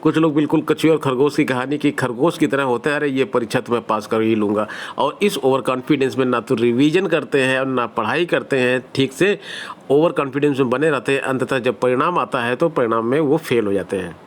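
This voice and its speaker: Speaking a little fast in a mid-range voice, a man with a Hindi accent coaches students for exams online. His teaching style is direct and conversational, built around everyday examples.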